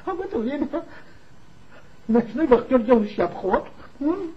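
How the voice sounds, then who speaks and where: A man's voice: very high voice, lively intonation, normal speed, lo-fi sound, a little hiss or hum. An actor playing a tipsy former magazine worker who mockingly gossips about his old boss in a 1960s radio play. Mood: gossipy. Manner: gossipy, mocking, confiding storyteller.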